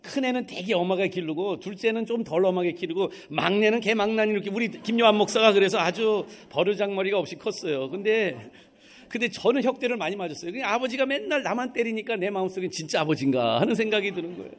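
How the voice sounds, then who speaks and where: A middle-aged male pastor with a high voice gives a sermon in a church. He tells a personal story in a lively way and acts out the voices of the people in it. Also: quick pace. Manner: storytelling, acting out quoted voices. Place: church sanctuary.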